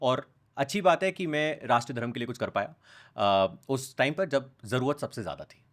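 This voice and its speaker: A young man, a podcast guest, talking in a casual conversation and telling animated stories as he switches between Hindi and English. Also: mid-range voice, normal speed. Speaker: podcast guest, content creator.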